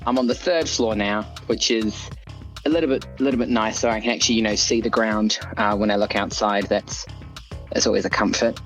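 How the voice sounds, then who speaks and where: A man from New Zealand, a guest author, chatting casually in a relaxed, hesitant way. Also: on the low side, fairly quick, faint music behind, poor audio. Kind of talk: casual interview chat.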